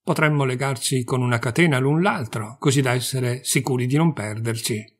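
A man's voice: mid-range voice, normal speed, slightly rough, close to an everyday voice. A man reading a fable aloud and voicing a bold, clumsy female frog who calls out her plans eagerly.

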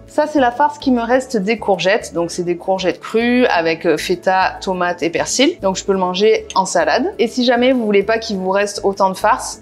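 Chatty woman guiding a home recipe. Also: mid-range voice. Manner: step-by-step, practical, chatty asides. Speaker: cooking vlogger. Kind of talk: casual cooking voice-over. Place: home kitchen.

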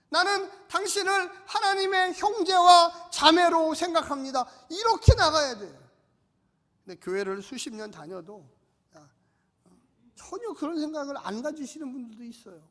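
A man's voice: extremely high pitch, fairly bright tone. A male pastor preaching a sermon in a church, urging the congregation to repeat phrases and respond. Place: church sanctuary. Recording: long church-hall reverb.

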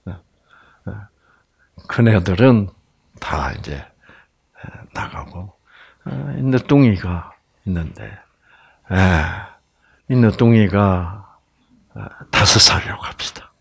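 A man's voice: lowish voice, lively intonation, slow, gravelly, long pauses, slightly rough. A man giving a live Bible lecture as a health lecturer, telling the story dramatically and prompting the audience with repeated questions. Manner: emphatic, dramatic storytelling delivery.

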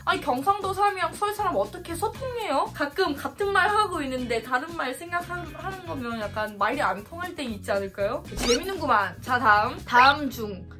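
A young woman from Thailand speaks with a Thai accent in a high, very expressive voice. She talks casually to the camera in a small room and reacts loudly. Background music plays clearly under her voice. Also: a little fast, few pauses. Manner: animated, exclaims loudly at answers. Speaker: vlogger. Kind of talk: casual quiz vlog.

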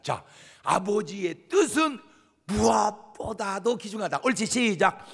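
A male pastor preaching a sermon in a church sanctuary, animated and acting out prayers as he goes. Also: sits high, takes it slowly, creaky, slightly rough. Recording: long church hall reverb.

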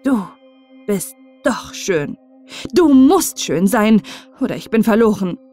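A woman's voice: a little high, expressive, normal speed, mellow, soft background music, close to an everyday voice. Woman voicing young male sculptor, proud, passionate, wounded, impassioned, storybook audiobook. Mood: despairing. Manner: impassioned, pleading.

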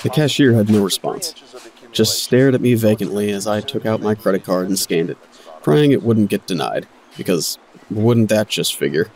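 A man's voice: on the low side, normal speed, darkish tone, close to an everyday voice, rough recording. An actor playing a wry, weary working man who narrates his own story in a dry, self-deprecating way in an audio drama. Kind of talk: scripted first-person narration, noir audio drama.

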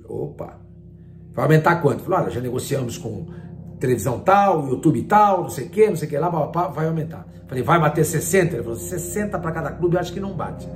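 An older man, commenting on football in a casual, animated way and retelling his conversations. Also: on the high side, fast talker, music in the background. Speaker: sports journalist and commentator. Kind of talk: casual talk-to-camera commentary.

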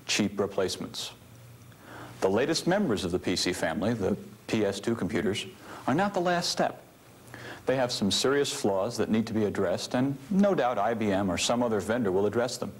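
A man in his thirties giving a scripted, methodical training film presentation as an instructor on a vintage video soundtrack. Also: lowish voice. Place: indoor studio set with office equipment. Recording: faint noise, vintage 1980s video soundtrack.

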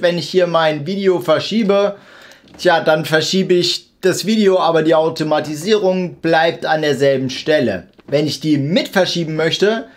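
A young man with a high voice hosts a casual software tutorial. He explains each step informally, talking directly to the viewer. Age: young adult. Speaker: video editing tutorial host. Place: small indoor home studio.

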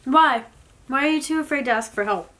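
Young woman in her twenties, tarot reader, sniffly from a cold, slow and reflective delivery. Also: high voice. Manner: soft, slow and reflective, with occasional small laughs. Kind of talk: spoken tarot reading. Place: indoors, in front of a floral blanket.

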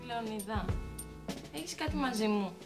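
An actress playing a bewildered, hurt teenage girlfriend in a sitcom, over loud music. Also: fairly high pitch, lively intonation. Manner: hurt, pleading.

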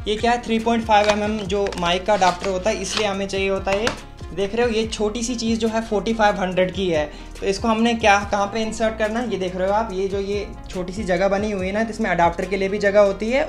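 A man's voice: high voice, steady tone, brisk. Young man, chatty step-by-step explaining, small room, faint music. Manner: chatty, explains step by step, mixes English words. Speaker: moto vlogger. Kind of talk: casual tutorial demonstration.

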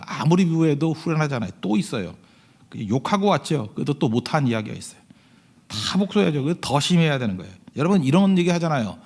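A male pastor giving a conversational sermon. He tells stories, keeps asking the congregation to agree, and swings from loud emphasis to hushed asides. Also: mid-range voice. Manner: conversational storytelling, often asking the congregation "right?".

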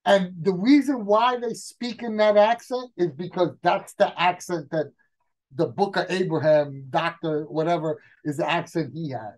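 A man, brainstorming a game scenario as a guest game master in casual chat, talking excitedly with frequent restarts. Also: high-pitched, moderate pace, low-quality recording.

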